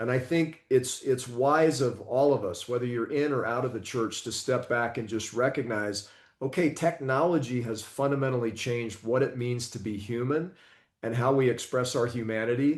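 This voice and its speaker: A man's normal speaking voice, medium in pitch, with ordinary pitch variation. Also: moderate pace, quiet background. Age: 60s. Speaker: researcher and author. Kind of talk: interview conversation.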